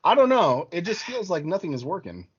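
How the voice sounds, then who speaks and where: A man's voice: very animated, a little fast, husky, lo-fi sound, full character voice. A man reading aloud the scripted part of a numb, downcast podcast co-host. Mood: dejected. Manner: numb, low-spirited read-aloud.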